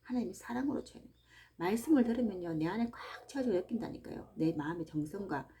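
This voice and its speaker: A woman, hosting a book-reading channel and talking in a chatty, animated way about faith and daily life, speaking straight to her listeners from a small farm hut. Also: medium pitch, fast talker, a little hiss or hum. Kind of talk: casual devotional talk to listeners.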